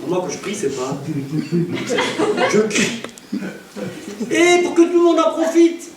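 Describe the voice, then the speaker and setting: A man preaching as an evangelist, telling stories in a lively way, with loud bursts and acted-out dialogue. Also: extremely high pitch, slow pace, over a noisy crowd. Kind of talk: storytelling sermon. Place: church. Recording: echoey church hall from far off, faint hiss.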